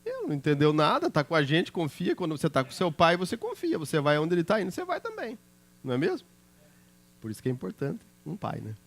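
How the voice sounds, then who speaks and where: Gravelly, lively pastor. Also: male voice, a little high, quick pace. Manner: chatty storytelling, checking in with listeners. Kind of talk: sermon with personal anecdotes.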